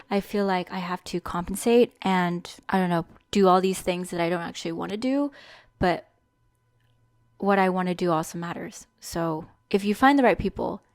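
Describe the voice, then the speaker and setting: A woman's voice: fairly low pitch, no room sound. A young woman hosting a solo podcast, talking candidly and thinking aloud about what she has learned. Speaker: podcast host. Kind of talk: solo reflective podcast monologue.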